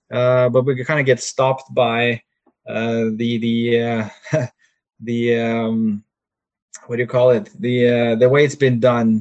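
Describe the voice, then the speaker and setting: A man with a Norwegian accent at a fairly slow pace. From Norway. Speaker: robotics business development manager. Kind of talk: casual interview.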